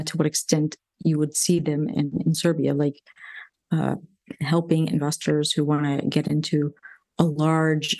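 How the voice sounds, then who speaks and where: A woman's voice: low-pitched, a little mellow. A woman hosting a podcast, putting questions in a casual, conversational interview style.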